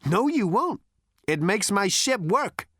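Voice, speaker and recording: A man's voice: high voice, big pitch swings, slow pace, a bit bright, dry recording, studio quality, pitched above the performer's own voice, exaggerated voice. A man voicing a brash, cocky space adventurer who talks in a flippant sneer.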